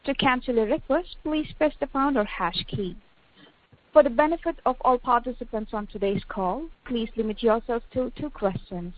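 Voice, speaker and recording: Tinny phone-line female conference operator, higher-pitched. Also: normal speed, dry recording. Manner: formal, procedural. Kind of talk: scripted call instructions.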